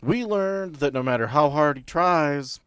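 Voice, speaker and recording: A man's voice: a little high, lively intonation, a little slow, fairly bright tone, clean tone, no room sound. A man acting as podcast host and game master, moving between casual banter and narrating the game.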